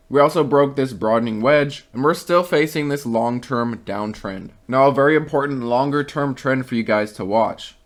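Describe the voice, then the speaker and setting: A man who is losing his voice talks casually through stock charts and market news for his viewers, reading out a company statement and then giving his own opinions. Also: medium pitch. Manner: conversational, reads quotes then gives opinions.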